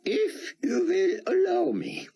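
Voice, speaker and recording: A man doing a gentle, heavily accented rabbi. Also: very high-pitched, wildly swooping pitch, slow, gravelly, pitched above the performer's own voice, exaggerated voice. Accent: Hebrew.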